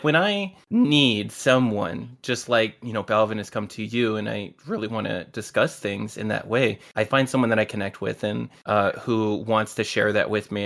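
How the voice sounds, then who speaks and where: A man's voice: on the low side, vocal fry, a bit bright. A man hosting a podcast in casual conversation, rambling and candid with lots of filler words. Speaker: podcast host.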